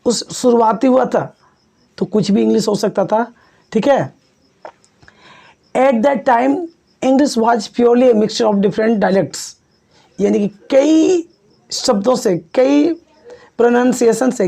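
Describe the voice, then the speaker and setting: A male teacher gives an exam-prep video lecture. His voice is gravelly and mellow. He repeats key points and coaxes his students along. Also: high-pitched. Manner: coaxing, repetitive, addresses students as "babu". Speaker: English teacher.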